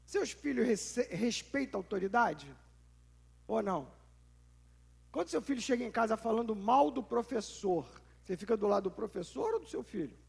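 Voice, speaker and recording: Brazilian male pastor, chatty sermon delivery, strongly gravelly fry throughout. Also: high voice, expressive, normal speed. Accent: Brazilian Portuguese. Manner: conversational preaching, rhetorical questions, acts out little scenes.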